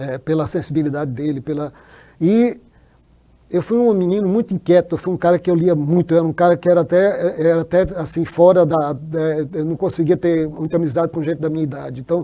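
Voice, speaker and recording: This man's high voice moves rather quickly, with the usual degree of pitch movement. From Northeast Brazil, Recife (Pernambuco). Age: 60s. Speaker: film director and documentary maker. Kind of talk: interview. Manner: halting, many repetitions.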